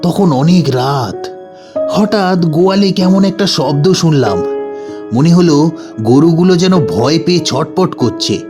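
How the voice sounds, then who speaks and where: Man as a slow-speaking, anxious humble villager. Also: fairly high pitch, lively intonation. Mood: worried, distressed. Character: anxious, humble village householder, pleading and deferential. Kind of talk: dramatised horror audio story. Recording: music bed under the voice.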